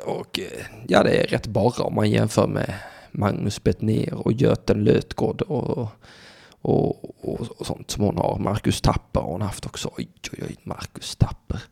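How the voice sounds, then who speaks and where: A man's voice: lowish voice, vocal fry, darkish tone, breathy edge. A man hosting a call-in show on his own, rambling, sarcastic and profane as he talks straight to his listeners and the chat. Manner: addresses listeners and chat directly. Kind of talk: casual solo call-in radio monologue.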